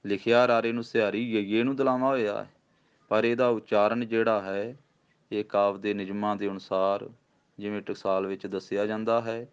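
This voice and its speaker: A man teaches scripture recitation, slowly spelling out each syllable. His voice is low, smooth and resonant. The recording sounds dull and lo-fi. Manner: patient, slow spelled-out recitation. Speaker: Gurbani pronunciation teacher. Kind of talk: recitation lesson.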